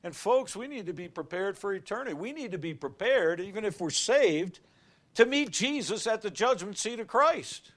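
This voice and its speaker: A middle-aged pastor preaches a sermon in a folksy, animated style, shouting key words and telling stories from everyday life. His voice sits high, and he speaks at normal speed.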